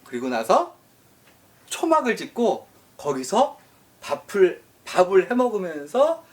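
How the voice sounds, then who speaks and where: A man's voice: high voice, takes it slowly. A man pastor telling a Bible story in a sermon for elderly listeners, asking them questions as he goes. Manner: lively, asks the listeners questions. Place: nursing home service.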